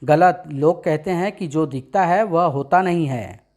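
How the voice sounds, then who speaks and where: A man's voice: fairly high pitch, measured pace, darkish tone, lightly acted. A man doing a gloating invisible supervillain. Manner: boastful, menacing. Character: invisible bodiless male supervillain, gloating and menacing.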